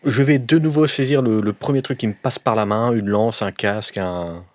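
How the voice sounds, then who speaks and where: A man's voice: on the low side, normal speed, no room sound. A man chatting casually and playfully as a player in a tabletop role-playing game.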